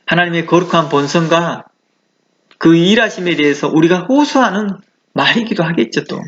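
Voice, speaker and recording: High-voiced Korean pastor preaching. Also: male voice, expressive, normal speed, a bit bright, muffled recording. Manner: conversational preaching with rhetorical questions; acts out quoted exclamations. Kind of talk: sermon.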